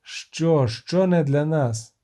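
Brief: curt dry monster hunter in a storybook, read by a man, mellow dark tone. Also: a little high, extremely slow. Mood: terse. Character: gruff terse male monster hunter.

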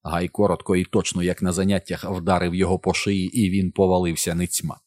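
Male audiobook narrator, very deep, steady read, dry close sound. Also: fairly quick, no echo.

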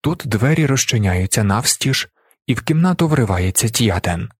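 Husky guy reading a novel out loud, lively ups and downs, dry close sound. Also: mid-range voice, moderate pace, no room sound. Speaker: audiobook narrator. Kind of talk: literary narration.

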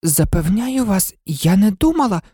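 Woman doing an earnest young girl, timid but argumentative, high lifting voice, storybook. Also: sing-song, moderate pace, mellow, husky, no room sound, studio quality. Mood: plaintive. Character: polite, eager young girl.

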